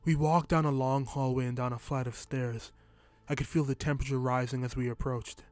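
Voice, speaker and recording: A man narrates a first-person short story, reading at a steady, even pace. His voice sits in a middle pitch. The sound is dry and close to the mic. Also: fairly quick, dry recording, soft background music.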